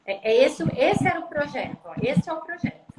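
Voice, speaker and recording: A woman's voice: high voice, sing-song, fairly quick. A woman speech therapist talking about parenting on a live stream over a video call, emphatic and repeating phrases for stress. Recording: echoey room with loud background noise.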